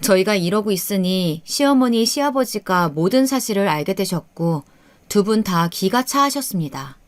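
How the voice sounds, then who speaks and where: A woman's voice: medium pitch, expressive, normal speed, no room sound. A woman in her thirties narrating a first-person radio story in plain storytelling.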